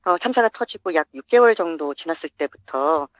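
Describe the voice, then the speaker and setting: An anonymous interview guest whose voice is disguised by a voice changer, explaining findings in a steady, methodical way. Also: medium pitch, fairly quick, no echo, dull audio.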